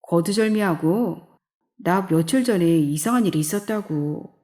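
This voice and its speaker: A woman's voice: lowish voice, a little slow, mellow, close to an everyday voice. A woman voicing a pushy, commanding middle-aged male friend in an audiobook reading. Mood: bossy. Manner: commanding, needling.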